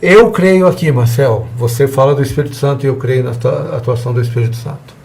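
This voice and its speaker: This man's mid-range voice is darkish with vocal fry, and he speaks a little fast while teaching a church evangelism class. He talks conversationally, playing out short dialogues with those he's addressing in this seminar lesson.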